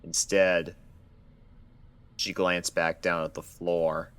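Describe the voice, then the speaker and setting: A man narrating a dark fan fiction story in a measured, restrained storytelling manner. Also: low-pitched, little pitch movement, smooth.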